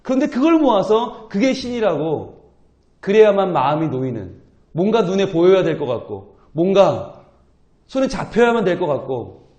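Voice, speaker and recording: A male pastor preaching at an early-morning church service, talking in a lively, colloquial way and playfully acting out scripture dialogue. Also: sits high, normal speed. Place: church sanctuary. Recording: roomy church echo.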